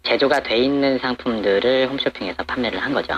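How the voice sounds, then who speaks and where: A man's voice: mid-range voice, quick pace, lo-fi sound. Man with an electronically disguised voice. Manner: matter-of-fact, peppered with hesitant fillers. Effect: voice disguised by an electronic voice changer. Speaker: anonymous supplier to TV shopping channels. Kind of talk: interview answers.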